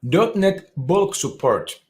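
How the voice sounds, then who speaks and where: A man's voice: high-pitched, sing-song, slow, a little mellow, a little hiss or hum. Finnish man giving a tech talk. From Finland. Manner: explanatory, with frequent restarts. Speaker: conference speaker. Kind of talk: technical presentation.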